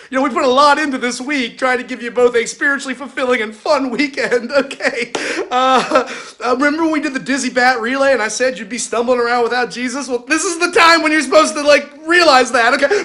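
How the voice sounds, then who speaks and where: Man playing a desperate, high-pitched youth pastor. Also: pushed and bright. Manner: pleading, halting, increasingly exasperated. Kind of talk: comic sermon parody.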